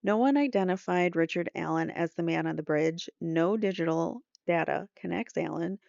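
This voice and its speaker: A woman's voice: fairly low pitch, normal speed, creaky, a little mellow, no echo, muffled recording. A middle-aged woman reading trial updates aloud as a host, adding casual explanatory asides as she goes.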